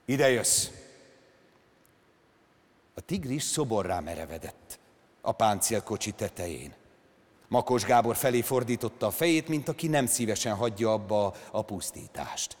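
An actor performing a dramatic literary reading on stage, with slow, measured phrasing. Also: male voice, fairly low pitch, a little mellow, husky. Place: large concert hall on stage. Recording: reverberant concert hall.

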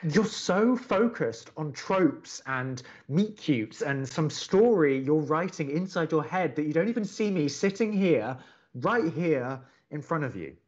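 A man playing an earnest, love-struck young college radio host in an audio drama, speaking in a deliberate, pleading way. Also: on the high side, lively intonation, darkish tone, lo-fi sound. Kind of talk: naturalistic audio drama acting.

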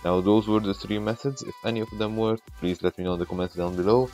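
A man's voice: lowish voice, steady tone, fast talker, a little mellow, soft background music. A man hosting a casual tech tutorial, talking the viewer through each step, his voice coming through a glitchy, bitcrushed mic that makes it sound robotic.

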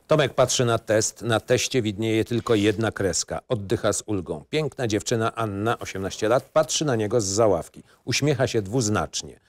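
A man with a fairly low voice reads the stage directions of a screenplay in short, matter-of-fact phrases. The scripted narration moves at a moderate pace with few pauses, and the recording is dry.

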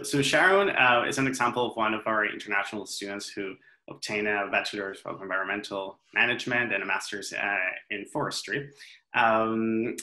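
A man presenting an alumni story in a university webinar, halting with fillers. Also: on the low side, sharp tone, roomy sound, low-quality recording.

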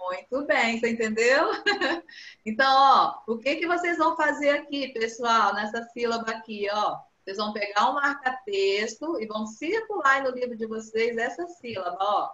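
Teaching young kids in an online class, a Brazilian Portuguese-accented primary school teacher draws words out and coaxes her pupils with patience. Her voice is on the high side, expressive and sharp, at a moderate pace, heard over dull video-call audio in an echoey room.

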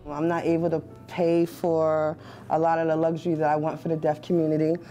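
Earnest low-voiced woman cafe owner. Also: monotone, brisk, warm tone, faint music behind. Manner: earnest and heartfelt, with fillers. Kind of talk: interview. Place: indoors in a cafe.

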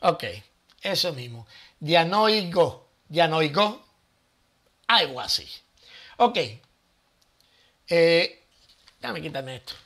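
A man's voice: fairly high pitch, very animated, slow, creaky, pauses often, a bit bright. A man hosting his own channel, giving casual Bible teaching with rhetorical questions and thinking aloud.

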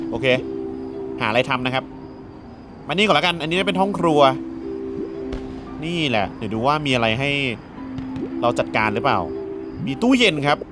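A man playing through a video game, joking around and reading the dialogue aloud as he goes. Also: on the high side. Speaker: gaming YouTuber. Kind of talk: let's play commentary.

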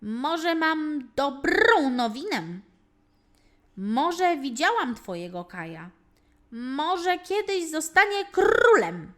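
Storybook crow, acted by a woman: chatty, helpful bird, high swooping pitch, cawing and emphatic. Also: full character voice. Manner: cawing, drawn-out, emphatic speech. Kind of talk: children's fairy tale storytelling.

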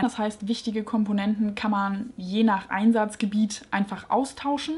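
A woman's voice: mid-range voice, darkish tone. A woman in her twenties, a tech YouTuber, gives a chatty, lightly opinionated recap of tech news straight to camera in a small room at home.

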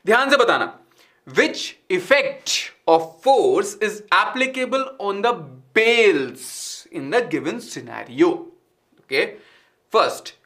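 Lively high-voiced Indian teacher. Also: male voice. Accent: Indian English. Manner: mixes Hindi and English, asks students questions; animated, gestures while talking. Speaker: science teacher. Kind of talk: live online class. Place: studio with green screen.

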